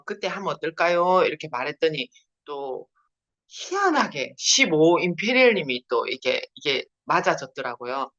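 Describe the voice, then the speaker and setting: Over dull lo-fi video call audio, a Busan woman with a heavy Gyeongsang accent leads a chatty seminar on network marketing, laughing frequently. Her voice is low with a fairly bright tone.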